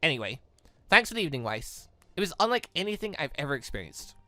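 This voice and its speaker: A man's voice: on the high side, very animated, quick pace, sharp tone, dry recording, exaggerated voice. A man voicing a devoted young man on a date in a visual novel, sincere and slightly awkward. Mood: sincere, hesitant. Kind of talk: visual novel read aloud.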